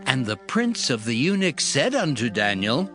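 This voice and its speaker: A man narrating dramatized scripture in a solemn, measured, formal manner. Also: mid-range voice, big pitch swings, pushed and bright. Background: background music.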